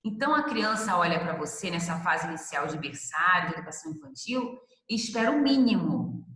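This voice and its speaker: A woman's voice: fairly low pitch, big pitch swings, brisk, a bit bright, roomy sound, big-room sound, low-quality recording. A woman lecturer giving a conversational class, addressing students by name and asking them questions. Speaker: university lecturer.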